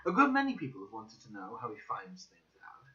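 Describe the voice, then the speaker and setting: Man playing lively, teasing young gentleman friend. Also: on the low side, fairly quick, heavily acted. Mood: knowing, teasing. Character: amused, sociable young male friend making introductions. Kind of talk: dramatic audiobook reading. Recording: dull, slightly lo-fi recording.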